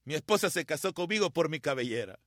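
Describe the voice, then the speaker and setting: A middle-aged man preaching a sermon, telling a personal story with feeling and dramatic pauses. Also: on the high side, animated, fairly bright tone, no room sound, clean studio sound. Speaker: pastor.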